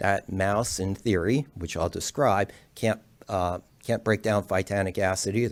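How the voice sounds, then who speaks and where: A man's fairly low voice in a New Jersey accent, fairly slow and with ordinary pitch variation, in a very clean recording with a silent background. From US, New Jersey. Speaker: research scientist. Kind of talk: conference presentation.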